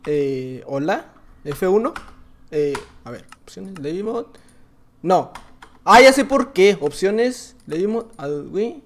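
Excitable Mexican gamer man, slangy. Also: sits high, slow. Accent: Mexican Spanish. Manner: excitable, slangy, often shouts and laughs. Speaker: gaming YouTuber. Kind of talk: casual gameplay commentary.

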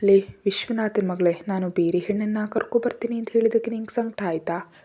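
A woman voicing a harsh, commanding young husband in a storybook narration, speaking curtly and loudly. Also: mid-range voice, fairly even intonation, a little fast, close to an everyday voice. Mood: stern. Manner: curt, scolding, loud. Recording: dull lo-fi audio.

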